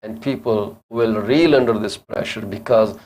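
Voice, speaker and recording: A man's voice: fairly low pitch, moderate pace, a little mellow. A man with an Indian accent hosting a live real estate call-in show, firing off earnest rhetorical questions in a critical tone. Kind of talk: live talk show commentary.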